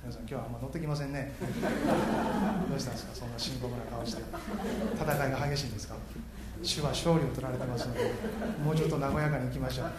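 A man preaching a sermon as pastor in a church, animated and joking with the congregation. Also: mid-range voice, racing, reverberant, very noisy.

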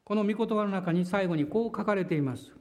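A man's voice: high-pitched, a little fast, a little mellow. A man preaching a sermon to his congregation, earnest and self-deprecating, with firm, emphatic declarations. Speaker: pastor. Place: church service before a congregation.

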